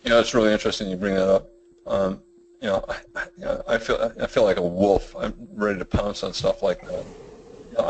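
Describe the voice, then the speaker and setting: A middle-aged man with a self-described boring, monotone voice presents a trading webinar, rambling through his points with many fillers and restarts. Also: sits low, a little hiss or hum, rough recording. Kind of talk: webinar lecture.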